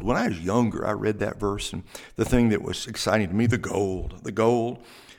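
A man's fairly low voice in a Southern US accent, at a moderate pace. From US South, Alabama. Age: 60s. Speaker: pastor. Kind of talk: personal update monologue. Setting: recording at home.

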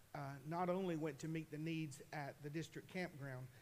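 Somewhat breathy and flat, a man's monotone voice moves at a moderate pace. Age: old. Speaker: pastor. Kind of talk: sermon. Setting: church.

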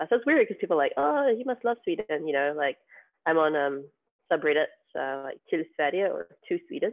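Speaking at a fairly quick pace, a woman talks with a New Zealand accent. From New Zealand, Auckland. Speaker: software testing engineer and author. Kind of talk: interview.

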